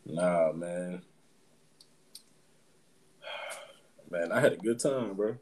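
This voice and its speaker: A man with an African American accent bantering casually as a podcast co-host, animated and slangy, often repeating himself. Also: deep voice, very slow. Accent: African American English.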